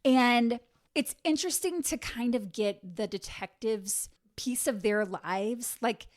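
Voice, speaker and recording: A woman's voice: a little high, slow. Chatty woman co-hosting a crime podcast. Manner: chatty, relaxed storytelling with fillers. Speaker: podcast co-host. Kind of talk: casual true crime podcast chat.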